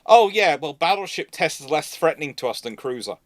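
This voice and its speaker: A man hosting a live history Q&A, talking off the cuff in a discursive, halting way with many asides. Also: a little high, expressive, dry recording, clean studio sound. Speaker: host of a live naval history Q&A. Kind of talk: unscripted expert discussion.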